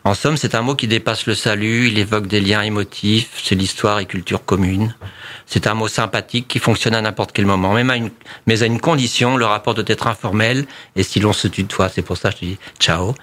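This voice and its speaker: A man's voice: fairly low pitch, fairly even intonation, fairly quick, fairly bright tone. A man talking as a studio guest on a radio show, chatty and full of asides. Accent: French. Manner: chatty, peppers talk with "tu vois". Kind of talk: casual radio chat.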